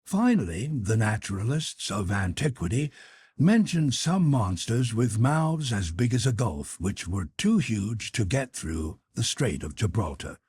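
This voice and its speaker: A man reading scripted literary narration for an audiobook in a measured, expository storytelling manner. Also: lowish voice, big pitch swings, darkish tone, breathy edge.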